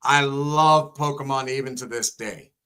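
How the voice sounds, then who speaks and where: A man's voice: medium pitch, unhurried, sharp tone, smooth. A man co-hosting a talk show, chatting and telling stories casually. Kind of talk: casual chat and storytelling.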